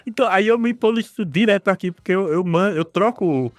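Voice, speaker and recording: A man with a Northeastern Brazilian accent talks in an easy, chatty podcast manner, dropping the odd casual curse. His voice sits a little high. The sound is dry and close, with no room around it. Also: fairly quick, no echo. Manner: relaxed, chatty, swears casually. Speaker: podcast co-host.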